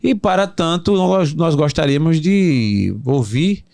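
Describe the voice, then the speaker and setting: A man hosting a casual podcast, lively and quick to exclaim as he introduces guests. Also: on the high side, vocal fry. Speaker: podcast host.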